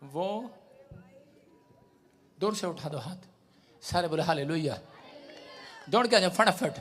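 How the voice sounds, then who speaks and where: A man leading a live prayer service as pastor, commanding and repeating his orders in rising shouts. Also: on the high side, animated, takes it slowly.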